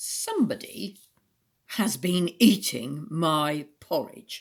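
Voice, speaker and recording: It's a put-on character voice, gruff and growling at a middle pitch. The delivery is very slow. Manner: indignant.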